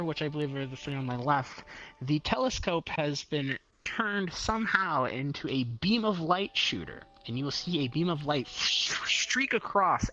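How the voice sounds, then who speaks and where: A man's voice: a little high, pushed and bright, dull audio. A man narrating a roleplay scene as game master, in a formal announcing tone.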